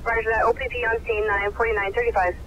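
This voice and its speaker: A man's voice: sits high, flat delivery, fast talker, a bit bright. A man working as a fire dispatcher, heard over a radio, reading back calls and times in clipped dispatch style. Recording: muffled radio with static noise.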